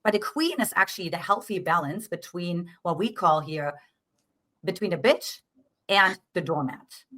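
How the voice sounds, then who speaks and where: A woman's voice: on the low side, moderate pace, fairly bright tone. A middle-aged woman with a German accent, a dating coach explaining her ideas earnestly in an interview and often checking in with "right?". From Eastern Germany.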